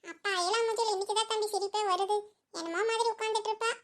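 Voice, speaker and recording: Cartoon auntie voiced by a woman: very high, quick, fussy chatterbox. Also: steady tone. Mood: fussing, welcoming. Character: chatty middle-aged village woman, elder sister-in-law. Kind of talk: cartoon voice acting.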